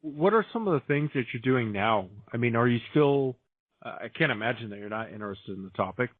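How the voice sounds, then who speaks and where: A man hosting a radio talk show, asking questions in a relaxed, joking way. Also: mid-range voice, a little fast, dry recording. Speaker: radio host. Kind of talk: interviewing on radio. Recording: dry phone-line call audio.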